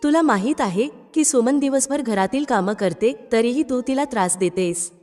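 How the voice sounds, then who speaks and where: A woman's voice: on the high side, lively intonation, moderate pace, darkish tone, natural voice. Woman reading as a tired, easily swayed son. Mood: troubled. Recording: long reverb with music behind.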